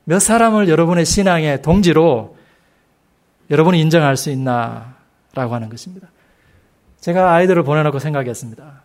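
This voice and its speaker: A middle-aged man preaching a sermon in a church, speaking slowly and emphatically and asking the congregation rhetorical questions. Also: on the high side, a little mellow. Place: church sanctuary.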